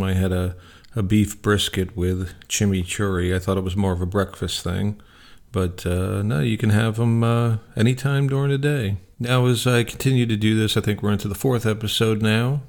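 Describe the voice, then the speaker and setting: A man's voice: lowish voice, creaky. A man hosting a radio show, talking casually on his own to listeners.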